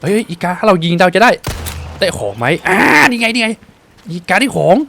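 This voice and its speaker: A man doing casual let's-play commentary, excitable and exclaiming at the action. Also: high-pitched, a little fast, slight background noise. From Thailand. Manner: excitable, exclaims and swears at the game. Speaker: gaming streamer.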